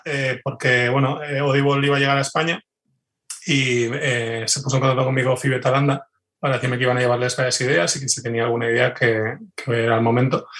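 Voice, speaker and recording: A man speaking as a guest in a casual interview, halting and rephrasing as he explains. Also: medium pitch, fairly bright tone. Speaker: guest, audio fiction writer. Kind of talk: casual conversational interview answers.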